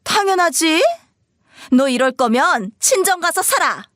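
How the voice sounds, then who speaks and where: Brief: high, sharp scolding mother-in-law for a storybook drama, domineering and sneering, performed by a woman. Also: animated, measured pace, dry recording, studio quality, full character voice. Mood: scornful scolding. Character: bossy scornful middle-aged mother-in-law, shrill and scolding.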